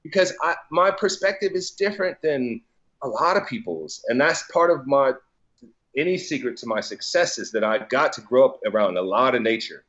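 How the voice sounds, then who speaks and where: A man's voice: mid-range voice, animated, moderate pace, fairly bright tone, muffled recording. Laid-back, loosely talking man from Colorado. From Colorado, USA. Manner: loose and profane, many "like" fillers, laughs easily. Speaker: guest, DJ and business owner. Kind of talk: casual conversation.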